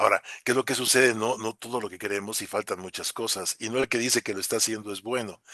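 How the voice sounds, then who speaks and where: A man with a medium pitch speaks at a very fast pace, his tone bright and sharp with fairly even intonation. The sound is dry and close with no echo, over a quiet background. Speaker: political commentator on a panel. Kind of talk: panel discussion.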